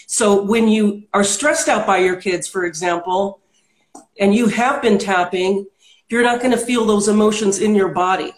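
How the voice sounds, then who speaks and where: A woman who is a podcast guest and hypnotist, explaining a technique step by step in an earnest, methodical way. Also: mid-range voice. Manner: earnest, walks through steps methodically. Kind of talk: explanatory interview talk. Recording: roomy echo.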